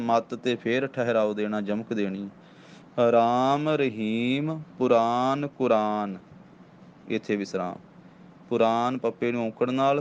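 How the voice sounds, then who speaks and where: A man with a Punjabi accent leads a slow, patient recitation lesson, pausing on each word to explain how it should be pronounced. His delivery is deliberate and measured. The recording is dull and lo-fi, with a faint ambient hum behind him. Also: medium pitch. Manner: patient, corrects word by word, slow chanted demonstration. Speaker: Gurbani recitation teacher. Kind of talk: line-by-line pronunciation lesson.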